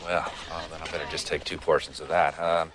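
An actor playing a breezy, smooth-talking man bluffing as a guest, offhand and deadpan, in a film clip. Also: a bass voice, fairly quick, a crowd in the background. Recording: noisy old film clip.

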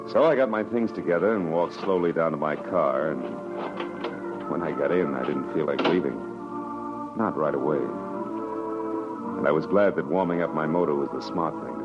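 A man acting a wry, world-weary private detective in a 1940s radio drama, with clipped, slangy, deliberate delivery. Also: rumbling low. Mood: wistful narration. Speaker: lead actor and narrator. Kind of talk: 1940s radio drama acting, first-person noir narration. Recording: muffled old radio broadcast, music behind.

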